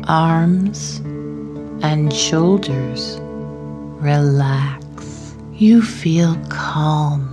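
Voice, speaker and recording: Soothing low-voiced woman, sleep story narrator. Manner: soothing, unhurried, gentle pauses between phrases. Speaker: host of a children's relaxation podcast. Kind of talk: sleep story narrator, guided relaxation for children. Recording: music behind. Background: soft plucked guitar music.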